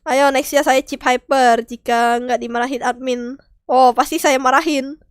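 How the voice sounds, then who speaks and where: Woman streamer w a cold, stuffy nose, kinda high voice, dry close mic, yells and swears at teammates. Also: steady tone, moderate pace, dry recording. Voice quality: slightly stuffy, nasal from a cold. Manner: loud exclamations, swearing, calling out to teammates. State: has a cold. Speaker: game streamer. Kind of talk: casual gaming stream chat.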